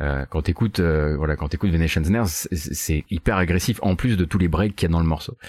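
A man's very deep, low voice with ordinary pitch variation, at a fairly quick pace with hardly any pauses and very even loudness, in a very clean recording with a silent background and a dry, close sound with no echo. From eastern France. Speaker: music podcast guest. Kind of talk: casual chat.

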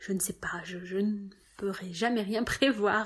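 This woman has a medium-pitched voice. She talks at a fairly slow pace. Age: 30s. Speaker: podcaster and personal development coach. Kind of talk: casual solo podcast monologue. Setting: home recording with baby nearby. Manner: unscripted, hesitant with fillers.

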